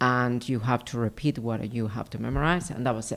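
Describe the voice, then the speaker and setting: A Spanish accent on a very clean recording with a silent background. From Mexico. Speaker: visual artist. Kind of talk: interview.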